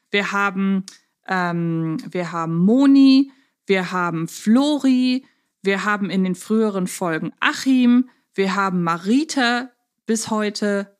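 A woman speaks as a podcast co-host in a casual discussion. Her delivery is conversational and unscripted, with the sense that she is thinking out loud as she goes. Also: medium pitch. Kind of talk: casual podcast discussion of an audio drama series.

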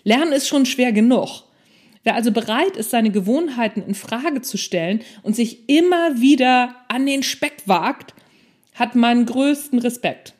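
Woman, high voice, solo podcast host, conversational, informal, direct address. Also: darkish tone. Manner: informal, direct address, self-deprecating humour. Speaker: podcast host and non-fiction author.

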